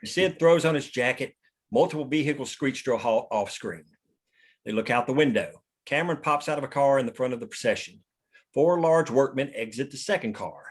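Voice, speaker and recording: A man's voice: medium pitch, brisk, slightly rough. A man reading stage directions as scripted narration at a table read.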